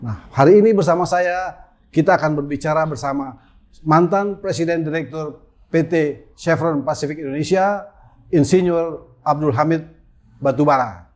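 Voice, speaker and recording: An older man hosting an online talk show, introducing a guest and asking slow questions with many fillers. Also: a little high, a little mellow. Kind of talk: casual interview chat.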